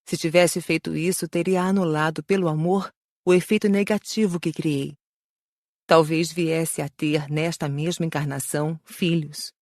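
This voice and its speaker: A remorseful female spirit played by a woman confesses reflectively. The voice is a little low, with the dry, close sound of an audiobook drama. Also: darkish tone, no echo, natural voice.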